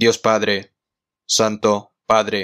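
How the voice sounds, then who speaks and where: A man puts on a character voice, fairly low in pitch. His delivery is shaky and monotone, with flat intonation. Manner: solemn, pious.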